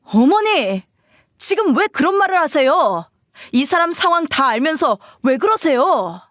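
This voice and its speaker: A woman's voice: high-pitched, expressive, unhurried, dry recording, studio quality, voice pushed up. A woman voicing an upset adult son who pleads insistently with his mother, for an audio story. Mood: pleading agitated.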